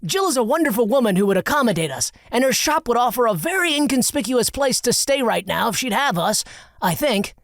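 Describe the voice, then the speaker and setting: A man voicing an excitable, proud young factory owner with a high, theatrical voice. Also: a little fast, no echo, studio quality. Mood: eager. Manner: high-pitched, eager and theatrical.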